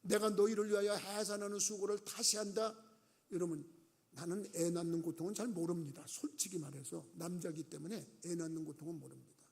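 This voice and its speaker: A middle-aged man preaches a sermon from the pulpit, his voice pitched high with a gravelly edge. He slips into the voices of people in his stories, swinging up and down as he goes. The sanctuary gives his words a long, ringing reverb. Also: steady tone, fairly quick, a little mellow. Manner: acts out quoted voices with dramatic rises and dips. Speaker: pastor. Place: church sanctuary.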